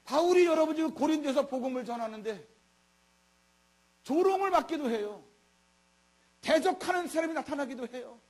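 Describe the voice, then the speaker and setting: A middle-aged senior pastor delivers a Sunday sermon in a colloquial, emphatic style packed with rhetorical questions. His voice is very high and darkish, with lively intonation, normal speed, and long pauses. Mains hum runs under the recording.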